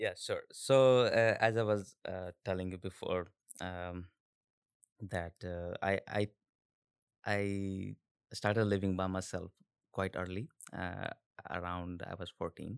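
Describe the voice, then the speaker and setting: Very slowly and with long, frequent pauses, a man with an Indian accent speaks at a very deep, low pitch with fairly even intonation, the sound dry and close with no echo on a very clean recording with a silent background. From India (Bihar). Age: 20s. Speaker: software engineer. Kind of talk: interview conversation.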